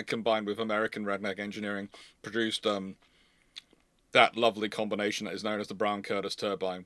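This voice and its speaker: A man with a bright, forceful voice explains things live and unscripted as a host. He rambles, doubling back to restart and repeat phrases. The sound is dry and close. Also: lowish voice, dry recording. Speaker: host of a live naval history Q&A.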